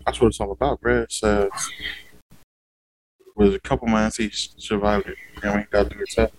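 A man's voice: on the low side, fairly even intonation, fairly quick, no room sound, rough recording. A man, co-hosting a podcast in a casual, laid-back way that is heavy on "bro" and "like.". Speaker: podcast co-host. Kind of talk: casual chat.

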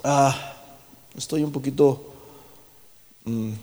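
A male preacher giving a fervent sermon, dropping to a hush and then rising loud. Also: medium pitch, fairly even intonation, extremely slow. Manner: swings from hushed to loud, fervent. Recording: echoey hall with long reverb.

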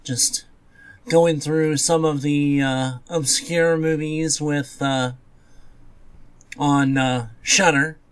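A man with a fairly high voice chats casually as a podcast co-host. His talk about films is informal and conversational. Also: fairly even intonation, extremely slow, clear, resonant tone. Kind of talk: casual chat about movies.

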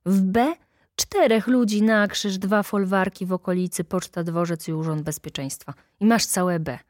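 A woman's voice: medium pitch, normal speed, darkish tone, dry recording, studio quality, close to an everyday voice. A woman doing a boastful tipsy official. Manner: bluff, showy and persuasive.

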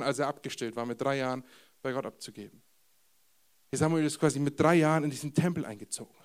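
A man preaching a casual sermon, retelling a Bible story in informal slang and speaking directly to his listeners. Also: on the high side. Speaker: youth pastor.

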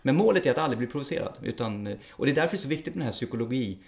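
A man's voice: mid-range voice, lively intonation, vocal fry, a little mellow. A middle-aged man, a police officer, speaking frankly and plainly in an interview, with some swearing. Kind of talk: interview conversation.

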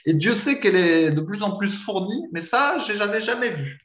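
A man's voice: high-pitched, lively intonation, moderate pace. A man co-hosting a casual talk, joking and teasing his partner. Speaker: co-host. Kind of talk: casual podcast chat. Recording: roomy, dull lo-fi sound.

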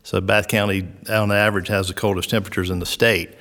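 Middle-aged Southern man, low-pitched, easygoing, filler-heavy, heard with long reverb. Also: level tone, a bit bright. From South Georgia, US. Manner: unhurried, lots of "uh" and "um" fillers. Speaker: resort recreation director. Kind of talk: relaxed interview answers.

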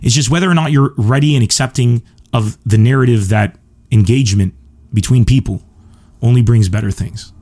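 A man's voice: medium pitch, brisk, warm tone. A man from Lebanon hosting a solo podcast, a stand-up comedian who talks in an earnest, emphatic, self-assured way. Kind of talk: solo podcast monologue answering listener questions.

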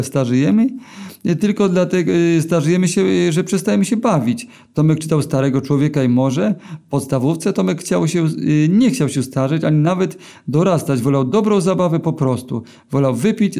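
A man reading his own short story aloud in a deadpan way, with filler hesitations. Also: on the high side, vocal fry. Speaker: narrator.

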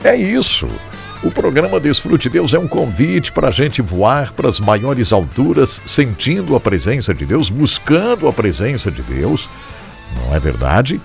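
A Brazilian man with a gravelly, fairly low voice hosts a live Christian program. His pitch swings widely as he talks in an upbeat way, often closing his sentences with a questioning "né?". Guitar music plays clearly underneath. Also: wildly swooping pitch, measured pace. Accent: Brazilian Portuguese. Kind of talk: live devotional broadcast talk.

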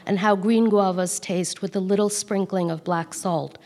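A woman from Calcutta whose first language is Bengali, reading aloud from her own memoir in a measured, quiet voice. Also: medium pitch, steady tone. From Calcutta, India. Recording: long hall reverb.

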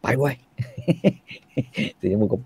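A man retelling a classic Thai tale in casual, slangy chat, animated and reciting verse now and then. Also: very slow. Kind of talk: casual comic retelling with acted quotes.

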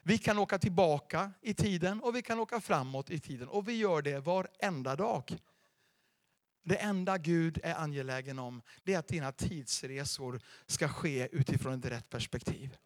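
A middle-aged man preaching a sermon as pastor, lively and dramatic, swinging between loud and soft. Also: fairly high pitch, no echo, clean studio sound. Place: church.

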